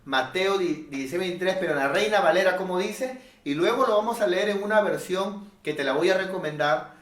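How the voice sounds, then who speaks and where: A male pastor preaching a sermon in an animated, rhetorical way, often asking his listeners "¿no es cierto?". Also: sits high, a little fast, far from the mic. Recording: echoey room, voice off-mic.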